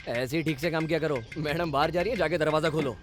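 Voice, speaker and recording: A self-important male bodyguard, voiced by a man barks orders in a dubbed film scene. His voice sits a touch above the usual male range. Soft music runs beneath the lines. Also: fairly high pitch, quick pace, lightly acted. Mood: bossy. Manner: bossy and commanding.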